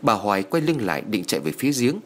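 A man reading a ghost story aloud in a dramatic, expressive way. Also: on the low side, quick pace. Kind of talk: scripted story narration. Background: faint music.

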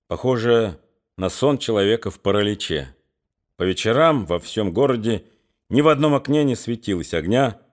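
A man narrating a literary story aloud in a measured, expressive reading. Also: lowish voice. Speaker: audiobook narrator.

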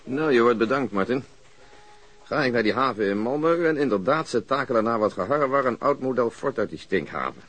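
An actor playing a grumbling, morbidly frank police detective in a radio crime drama, sardonic. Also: male voice, medium pitch, brisk, natural voice. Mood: dry, grumbling. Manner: deadpan, sardonic.

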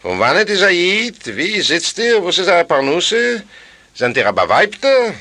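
A man's voice: high-pitched, huge pitch swings, a little slow, pushed and bright, pitched above the performer's own voice, full character voice. A man voicing an inquisitive wealthy man who fires off questions at a guest in a story reading. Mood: curious.

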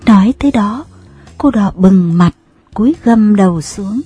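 A woman narrating an audio story in a measured reading voice. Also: medium pitch, expressive, dark tone, slightly rough, soft background music.

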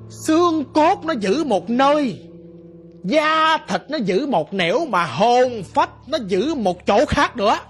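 A woman's voice: on the high side, full character voice. A woman voicing a skinless old father ghost. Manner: slow, hushed, grim warnings.

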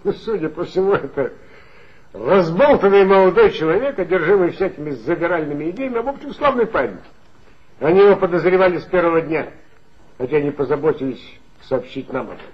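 An actor playing an authoritative male police chief in a 1960s radio play, with a smooth, insinuating, lecturing manner. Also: a little high, lively intonation, brisk, lightly acted. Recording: dull lo-fi old radio recording.

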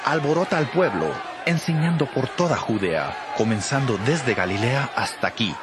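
An actor playing an insistent priest making accusations in an audio Bible drama. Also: male voice, mid-range voice, animated, normal speed, a bit bright, a faint crowd, close to an everyday voice. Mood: accusing.

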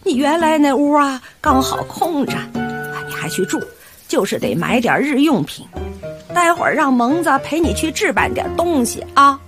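A doting, chatty old grandmother from Beijing in a radio play. Her voice is a little high and very lively, fussing in a Beijing accent, and music plays clearly behind her. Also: normal speed. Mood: soothing. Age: older. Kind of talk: radio drama acting.

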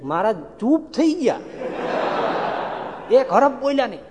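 A male preacher telling devotional stories in an animated way, acting out the characters and speaking directly to his audience. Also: very high-pitched, a little slow, background noise. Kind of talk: devotional storytelling sermon. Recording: long hall reverb.

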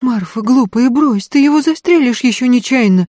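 A narrator voicing a gentle young lady of good family who cries out in breathless alarm. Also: medium pitch, takes it slowly, breathy edge, dry recording, clean studio sound, voice pushed up.

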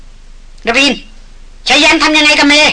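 A woman voicing a young woman doctor who speaks quickly and presses with questions. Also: high-pitched, fairly even intonation, sharp tone, slight background noise. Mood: demanding.

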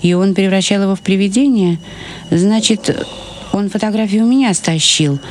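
A woman's voice: medium pitch, normal speed, a little mellow, slight background noise, natural voice. An actress playing a hospitable, wistful old woman in a radio drama, reminiscing with old-fashioned courtesy. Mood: indignant, doubtful.

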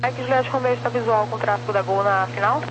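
A woman's voice: fairly high pitch, steady tone, quick pace. A Brazilian woman working as an air traffic controller, giving clipped procedural instructions over the radio.

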